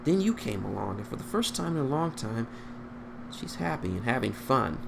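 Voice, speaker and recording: A man's voice: mid-range voice, sing-song, moderate pace, vocal fry, pitched above the performer's own voice. A man voicing a loyal, sincere elf warrior from fan fiction, on a noisy recording. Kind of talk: fan fiction character reading.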